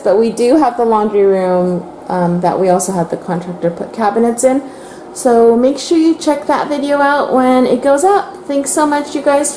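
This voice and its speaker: A woman vlogger giving an enthusiastic, casual tour of her newly remodeled bathroom, recorded on a handheld camcorder. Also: a little high. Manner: chatty and enthusiastic, addresses viewers as you guys. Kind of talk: casual home tour narration. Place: small bathroom indoors. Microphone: handheld camcorder mic. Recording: echoey small bathroom, faint room hiss.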